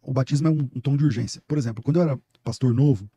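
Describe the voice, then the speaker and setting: Middle-aged Brazilian pastor as guest, quick and emphatic, warm husky tone. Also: male voice, medium pitch, no room sound. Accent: Brazilian Portuguese. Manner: emphatic, storytelling, preacher-like. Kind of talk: casual podcast conversation.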